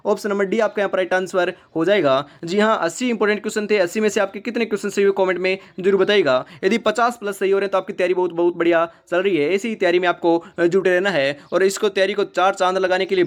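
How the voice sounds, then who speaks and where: A man running an online exam quiz class from a rooftop, reading each question and its options and then repeating the answer and the option number as he calls his viewers brother and friends. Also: high voice. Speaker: quiz teacher. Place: rooftop, outdoors in early morning. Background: animal and bird sounds.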